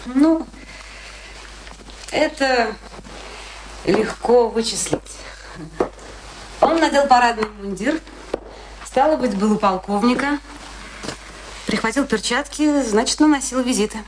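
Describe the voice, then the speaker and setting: An actress playing a bitter, vengeful, proud wife in a radio play, with theatrical, scornful, emphatic delivery. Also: female voice, a little high, takes it slowly, pauses often. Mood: dry, watchful. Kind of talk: Russian radio play acting. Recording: noisy old radio drama recording with clicks.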